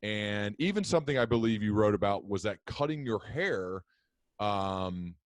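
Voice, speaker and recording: A man's voice: fairly low pitch, animated, moderate pace, dry recording. A man in his thirties hosting a podcast, asking long, curious questions with many restarts over a video call. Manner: rambling, curious, frequent restarts. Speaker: podcast host. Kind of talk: interview questions. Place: home office, indoors. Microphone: studio mic, video call.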